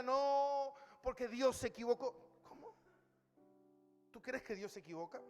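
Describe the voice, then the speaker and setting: A man's voice: extremely high pitch, big-room sound. A male pastor preaching a sermon, emphatic, calling his listeners brother. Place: church hall.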